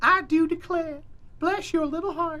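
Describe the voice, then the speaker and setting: A female-sounding, put-on character voice speaks at a moderate pace with an extremely high pitch. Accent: Southern US. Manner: warm, sweetly teasing.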